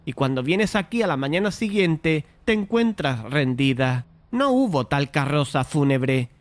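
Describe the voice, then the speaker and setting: An actor playing a skeptical, paternal painter who tells his own story in measured audiobook narration and dialogue. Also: a little high, very animated. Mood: chiding, skeptical. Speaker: narrator and main character.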